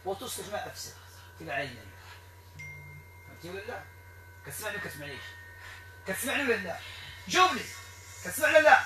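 A man with a Moroccan Arabic accent, performing an exorcism ritual in a stern, repetitive, commanding way that sometimes turns to shouting. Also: sits high, very animated, quick pace, pauses often. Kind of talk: ritual commands to a possessed person. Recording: echoey room, distant mic, noisy.

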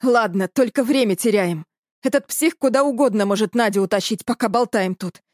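A woman voicing a decisive young man who talks briskly and takes charge. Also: on the high side, no room sound, studio quality, lightly acted.

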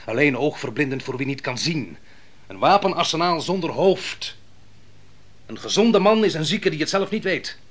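A proud, declamatory biblical warlord. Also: male voice, a little high, animated, normal speed, a bit bright. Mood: fierce. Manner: declamatory, grandiloquent. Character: proud, ruthless biblical army commander, fresh from bloody victory. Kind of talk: theatrical radio drama monologue and dialogue.

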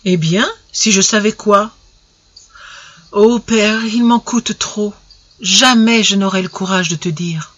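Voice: mid-range voice, slow pace, fairly bright tone, dull audio. A narrator reading a shy, tearful young woman. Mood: hesitant. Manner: hesitant, breaking off.

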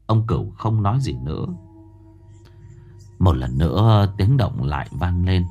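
A man narrating a ghost story in an expressive, dramatic way. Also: low voice, a little slow, lo-fi sound. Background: faint music.

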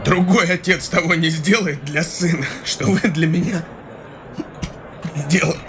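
A man's voice: a little high, steady tone, a little slow, noisy background. An actor playing a young male clerk in a radio play, fawning and tipsy, boasting expansively with laughs in his voice.

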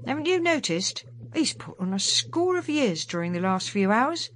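A woman voicing a blunt, protective young sailor man, in brisk, slangy speech. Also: fairly high pitch, big pitch swings, fairly bright tone. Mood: concerned.

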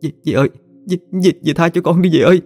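A man's voice: a little high, fast, darkish tone, slightly rough, soft background music, voice pushed up. A man voicing a terrified young pregnant woman who pleads tearfully with her aunt. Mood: pleading.

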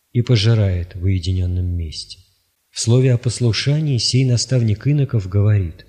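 A man reads a spiritual text in a steady, solemn, measured way. His voice sits fairly low and sounds warm and mellow. The reading is careful and unhurried. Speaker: audiobook reader. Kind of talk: scripted reading of spiritual writings.

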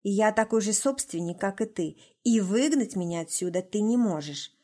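A woman's voice: mid-range voice, expressive, normal speed, warm tone, close to an everyday voice. Menacing drunk husband, growling, sneering, audiobook figure, voiced by a woman narrator. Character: drunk abusive husband, middle-aged man.

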